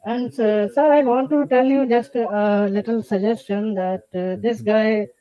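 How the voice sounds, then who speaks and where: A man's voice: high voice, steady tone, measured pace, dry recording, muffled recording. A man calling in with his voice disguised by a voice changer, hesitant, with lots of uh's and a polite "sir". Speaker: caller. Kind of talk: casual call-in chat.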